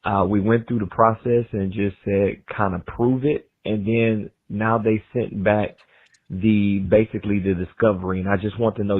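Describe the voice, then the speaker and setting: A man leaving a voicemail question for a show, played back over a phone line, halting and searching for words. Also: lowish voice, husky, no room sound. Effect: voicemail message played back over a phone line. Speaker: caller.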